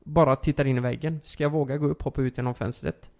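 A young man tells a story in a relaxed, chatty way. His voice has a gravelly, fried edge. He talks with lots of fillers and curses, and his delivery is animated. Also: mid-range voice. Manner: animated, many fillers and swearing. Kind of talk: casual storytelling.

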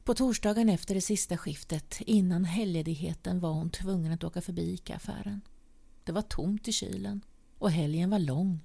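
A woman reading a short story aloud as narrator, measured and at times sinking to a whisper. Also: lowish voice, creaky, warm tone. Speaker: audiobook reader.

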